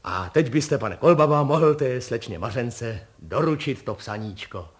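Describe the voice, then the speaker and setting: A man voicing a leisurely, self-satisfied gentleman in black who speaks slowly. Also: medium pitch, lively intonation, natural voice. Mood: pleased.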